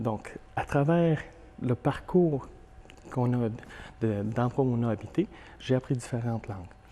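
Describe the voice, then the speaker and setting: A man with a Portuguese accent speaks at a fairly slow pace, with ordinary pitch variation and long, frequent pauses. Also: medium pitch for a man. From Portugal and Spain (Lisbon, Madrid), then Quebec. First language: Portuguese (speaking French). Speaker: language school owner. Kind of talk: interview.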